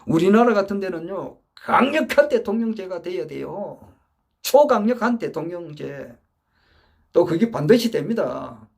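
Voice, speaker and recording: A man with a high voice that swings widely up and down delivers an earnest spoken lecture. He talks emphatically, repeats key phrases for weight, and often breaks off and restarts mid-sentence. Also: big pitch swings, measured pace, creaky, darkish tone. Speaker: political supporter giving a talk.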